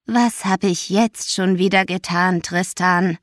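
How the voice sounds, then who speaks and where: A woman's voice: lowish voice, fairly even intonation, slow pace, no echo, clean studio sound. A woman voicing a stubborn, hot-tempered young girl who answers in short, defiant lines. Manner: defiant, clipped.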